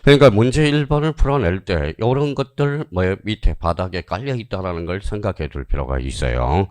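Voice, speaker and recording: A low-voiced man gives an online exam-prep lecture in a dry, close recording. His pitch swings widely as he fires quick questions at his students and answers them himself. He repeats key phrases to drive them home. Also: animated, darkish tone, no echo.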